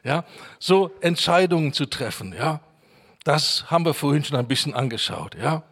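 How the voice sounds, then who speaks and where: A man preaching a sermon, emphatic, repeating key words and reading scripture slowly. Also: on the high side, sing-song, a bit bright, slightly rough.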